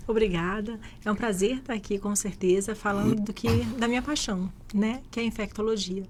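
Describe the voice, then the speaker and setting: Woman, physician guest, mid-pitched, steady and explanatory. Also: fairly quick, a little hiss or hum. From Rio de Janeiro, Brazil. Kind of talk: radio interview answers. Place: radio studio.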